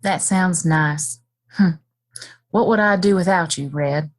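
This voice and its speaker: A woman's voice: on the low side, slow. An actress playing a wistful, tender frontier woman in a Western audio play, earnest and searching in her delivery.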